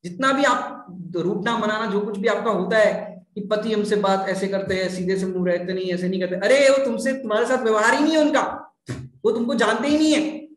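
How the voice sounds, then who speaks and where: A man's voice: high-pitched, steady tone, a little fast. A man giving a religious discourse, explaining with homely examples and rhetorical questions. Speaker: spiritual teacher. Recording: echoey hall.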